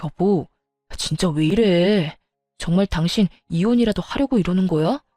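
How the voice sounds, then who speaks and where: A woman voicing a flustered husband who pleads slowly in a lowered voice, in a story reading. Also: warm tone, dry recording, faint music behind, close to an everyday voice. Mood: pleading. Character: grown man, a flustered husband pleading to calm things.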